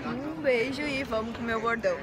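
A woman's voice: on the high side, fairly quick, background noise. A woman, vlogging in a playful, teasing chat, filmed on a phone at arm's length. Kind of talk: casual vlog chat. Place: busy airport waiting area. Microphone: phone camera at arm's length. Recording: busy crowd chatter behind.

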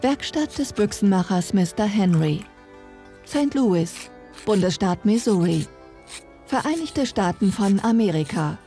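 A woman's voice: mid-range voice, expressive, a little slow, dark tone, soft background music. A woman reading a formal scene announcement for a radio play.

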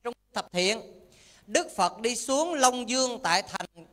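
A Buddhist monk giving a sermon in a temple hall, asking the audience lively teasing questions. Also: male voice, extremely high pitch, takes it slowly.

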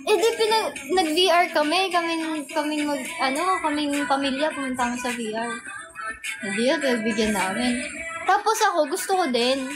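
High-voiced young woman chatting on a livestream. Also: moderate pace. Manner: chatty storytelling, giggles often, mimics voices in quotes. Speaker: livestream host. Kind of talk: casual livestream chat. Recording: music playing in the background. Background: background music.

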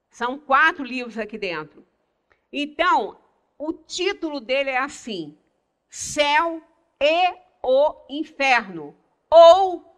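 An older woman with a Brazilian Portuguese accent leads a religious study talk, her voice high and bright. She explains patiently, pausing to stress key words. She is picked up in a small indoor meeting room. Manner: explanatory, stresses single words with long pauses. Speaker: lecturer at a spiritist center.

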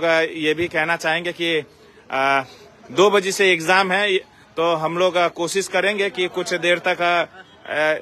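A man giving a halting, repetitive live news appeal in formal address, recorded outdoors on a phone in a market street. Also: on the high side, sharp tone. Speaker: local news reporter. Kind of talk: live street report, unscripted public appeal. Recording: street noise around handheld phone recording. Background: street ambience and vehicles.

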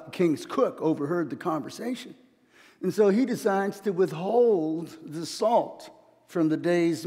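A middle-aged pastor preaching in a big church hall, telling little stories and shifting between quiet, confiding asides and loud, urgent pushes. His voice sits slightly high for a man. The long reverb of the hall trails behind him. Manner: storytelling preacher, animated, swings between soft asides and loud emphasis. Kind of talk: sermon. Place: church stage, large hall.

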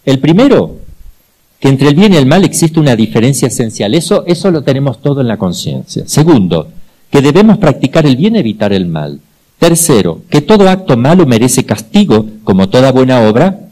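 A man's voice: a little mellow, poor audio. An older man preaching a sermon as a priest, telling stories and acting out voices. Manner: storytelling, acts out voices with sudden high pitch jumps.

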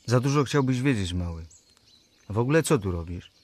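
A man's voice: medium pitch, lively intonation, a little fast, darkish tone, lightly acted. A man playing a guarded, wry thirty-seven-year-old in a radio drama.

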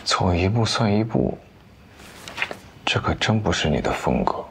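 An actor in his thirties playing a composed, confident investor, speaking in a measured, assured way in a TV drama. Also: low-pitched, big pitch swings, vocal fry, background noise, exaggerated voice. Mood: calm, assured. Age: 30s. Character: composed, confident wealthy investor, rational and devoted. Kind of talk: naturalistic TV drama dialogue.

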